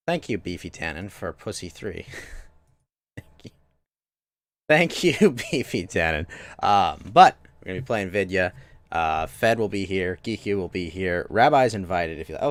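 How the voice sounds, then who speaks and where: A man's voice: deep voice, dry recording. A young man streaming games from home, chatting loosely with his chat, restarting sentences a lot. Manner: rambling, many restarts, talks to chat. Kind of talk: casual live-stream chat.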